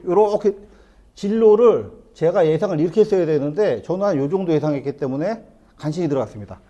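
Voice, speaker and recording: A middle-aged man giving a hands-on billiards lesson in a billiard hall, explaining step by step and asking the viewer quick questions as he plays. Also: high-pitched, mellow. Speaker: billiards instructor. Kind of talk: hands-on lesson, talking while playing.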